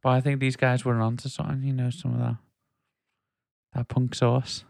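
A man's voice: mid-range voice, little pitch movement, moderate pace, vocal fry, darkish tone, no echo, clean studio sound. A man hosting a podcast, chatting informally about music in a rambling way and often checking for agreement. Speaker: podcast host. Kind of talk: casual music discussion chat.

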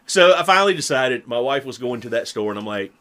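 A man's voice: mid-range voice, animated, quick pace, sharp tone. A man, telling funny stories on a podcast and laughing often. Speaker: podcast co-host. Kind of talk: casual storytelling chat.

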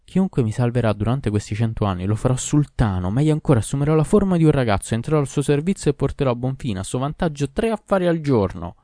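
A man's voice: mid-range voice, lively intonation, fast talker, few pauses, warm tone, no echo, studio quality, pitched above the performer's own voice, lightly acted. A man voicing a proud and cruel ancient male jinn in a storybook reading, in a solemn, declaiming manner. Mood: menacing.

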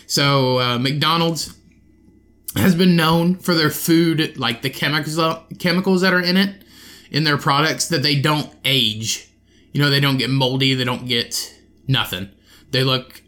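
A man's voice: mid-range voice, bright, forceful tone. A man hosting a solo podcast, rambling and swearing in an offhand way, his nose a little congested. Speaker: podcast host.

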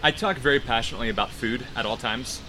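A man's voice: mid-range voice, quick pace, bright, forceful tone, a little hiss or hum, rough recording. A man guest and podcast co-host, talking enthusiastically and saying "yeah" often. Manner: enthusiastic, says "yeah" a lot. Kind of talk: casual interview chat.

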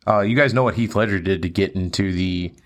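Low-voiced laid-back man. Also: brisk. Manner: laid-back, swearing storyteller. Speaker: podcast co-host. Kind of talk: casual chat.

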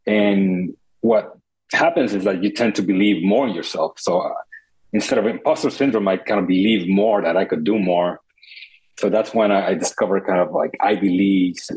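Husky low-voiced man from the Dominican Republic. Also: a little mellow, low-quality recording. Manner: earnest, reflective, many restarts. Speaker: guest, startup founder. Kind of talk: casual interview storytelling.

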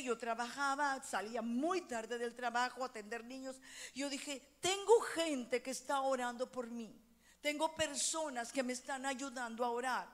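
A middle-aged woman pastor preaching a sermon, moving between loud fervent exhortation and quiet personal storytelling. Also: sits high.

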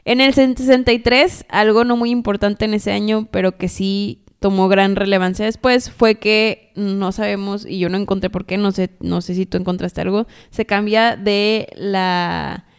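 A woman's voice: mid-range voice, steady tone, normal speed, hardly any pauses, smooth. A woman co-hosting a podcast, retelling history as chatty, dramatic gossip with asides. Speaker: podcast co-host. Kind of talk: casual storytelling chat.

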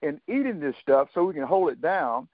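A man in his seventies, a guest on a talk radio show, telling his story haltingly with many fillers and restarts and quoting others in dialogue. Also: fairly high pitch, big pitch swings, dry recording. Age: 70s. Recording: dry, tinny phone line.

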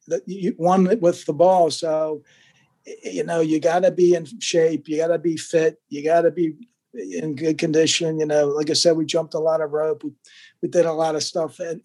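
An older man reminisces about his playing days in a loose, rambling way. He stops and restarts often and fills gaps with fillers. His voice sits slightly high for a man. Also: warm tone. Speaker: interview guest, former goalkeeper. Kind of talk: casual storytelling interview.

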